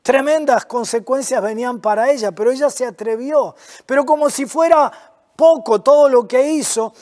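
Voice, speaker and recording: A man, a pastor delivering an earnest sermon that sinks at times into soft, low, intense passages. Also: in a large hall.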